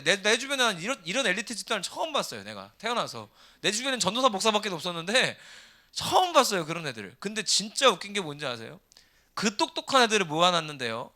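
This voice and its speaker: Animated guy preaching a sermon, voice swoops all over, keeps quizzing the congregation. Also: sits high. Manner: animated, rhetorical questions to the congregation. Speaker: pastor.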